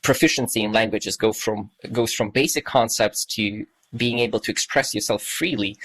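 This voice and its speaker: Speaking at a moderate pace in a lowish, slightly bright voice, this thirty-something podcast guest from Estonia, a native Russian speaker, meanders thoughtfully and leans on many fillers. It's a casual conversation captured in poor audio.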